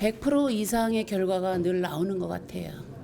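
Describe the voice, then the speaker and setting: This woman has a plain, everyday voice. She talks at a moderate pace and a medium pitch. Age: 60s. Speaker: blogging instructor. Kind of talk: interview.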